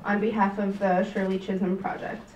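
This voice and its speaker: A woman's voice: mid-range voice, level tone, moderate pace, muffled recording, background noise. Young woman, student event host, hesitant; distant podium mic in an echoey room. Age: young adult. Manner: hesitant, many um fillers. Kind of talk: introducing a panel. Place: large lecture room at a podium. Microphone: podium mic, far camera.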